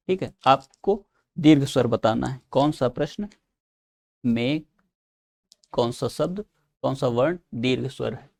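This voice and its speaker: A man's voice: medium pitch, gravelly, darkish tone. A man teaching an online exam-prep lesson, explaining step by step and answering his own questions.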